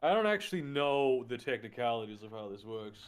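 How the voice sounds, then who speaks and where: A man's voice: mid-range voice, very animated, a little fast, clean tone. A man chatting on a stream call in a casual, joking way, swearing freely and sounding sleepy, speaking into a mic covered in socks. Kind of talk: casual banter. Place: at home in a chair. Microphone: desk mic wrapped in socks.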